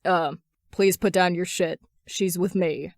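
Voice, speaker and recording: A woman voicing a gruff, irritable young man in a story reading, grumbling and sardonic. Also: lowish voice, steady tone, slow pace, no echo, studio quality. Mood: nervous.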